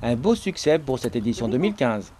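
A man narrating and interviewing for a local TV news report, in a measured, scripted way. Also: mid-range voice, sing-song, a crowd in the background.

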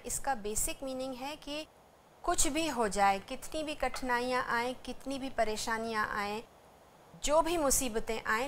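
A woman with a fairly high voice gives an educational lecture at a slow, unhurried pace. She explains patiently and repeats each syllable clearly for practice. A faint hiss of background noise sits under the recording. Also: fairly bright tone. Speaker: Japanese language teacher.

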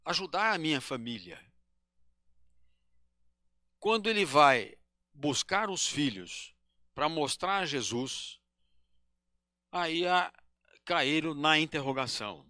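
Speaking into a handheld mic at a podium in a small hall, a spiritist lecturer from Brazil, in his sixties, delivers a devotional lecture at a slow, halting pace full of pauses and self-corrections. His voice is a little high, pushed and bright, captured in studio quality.

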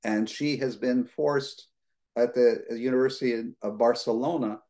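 A man in his sixties from the United States, answering questions as a guest lecturer on a video call from his living room, relaxed and rambling with many fillers. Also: medium pitch, unhurried. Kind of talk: conversational Q&A answer.

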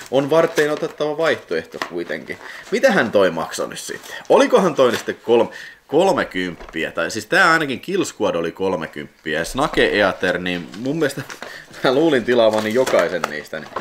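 A man with a Finnish accent chatting casually as he unboxes videotapes in his vlog, excitable and prone to sudden high whoops. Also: a little hiss or hum. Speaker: video collector vlogger.

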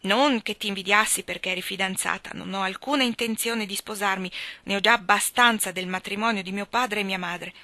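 A woman's voice: mid-range voice, a little fast, bright, forceful tone, dry recording. A woman reading aloud, voicing a bitter, lonely young woman who speaks in anguished outbursts. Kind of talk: audiobook character reading.

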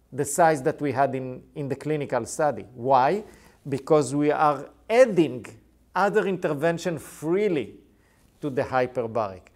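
A male doctor answering interview questions in a halting, deliberate way. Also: a little high, a little mellow. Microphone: video call.

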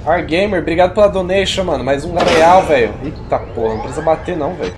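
A man in his thirties from Brazil streaming a horror game, swearing constantly and yelping in fright, his voice going hoarse. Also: fairly high pitch, fast talker. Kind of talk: live gameplay commentary. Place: home streaming room. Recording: game music underneath.

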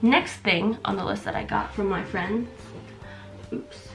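Soft music plays behind a young woman in her twenties as she unhurriedly shows off her gifts in a casual unboxing vlog. Her medium-pitched voice is a bit bright despite a stuffy nose and a voice that's giving out, and she uses plenty of fillers. The setting is a small indoor bedroom with shelves of cameras.

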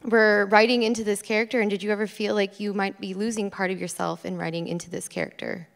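A woman's voice: mid-range voice, level tone, quick pace, creaky. A woman interviewing an author on a theater stage, asking admiring questions into a handheld mic. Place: theater stage before an audience. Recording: long hall reverb of a theater.

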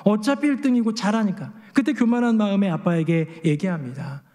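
A man's voice: sits high, a little fast, dark tone. A man in his forties, a senior pastor, preaching a Sunday sermon, telling stories and putting questions to the congregation. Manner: storytelling with acted quotes and questions to the congregation. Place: church sanctuary. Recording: long church hall reverb.

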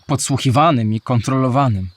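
A man's voice: medium pitch, brisk, no room sound, close to an everyday voice. Curious, naive young listener played by a man. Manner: inquisitive, naive. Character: curious young male listener asking about history. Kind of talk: scripted children's audio play dialogue.

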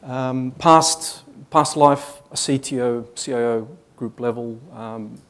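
A man's voice: mid-range voice, steady tone, slow pace, fairly bright tone. A man in his forties with an Australian accent, giving a business talk at a conference with many fillers and restarts. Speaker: conference speaker. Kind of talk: business presentation. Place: conference hall stage.

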